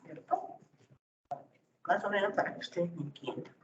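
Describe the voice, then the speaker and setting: A woman's voice: lowish voice, normal speed. Woman, lecturer, explanatory, rhetorical questions, far from the mic, lo-fi. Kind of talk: university lecture. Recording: distant, roomy, dull lo-fi recording with faint noise.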